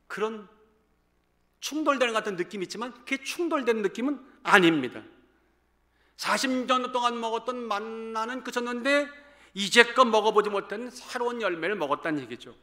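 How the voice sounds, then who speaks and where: A man in his fifties preaching a sermon to a church congregation, animated, swinging between loud calls and hushed asides. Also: very high-pitched, a little fast. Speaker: pastor. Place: church sanctuary.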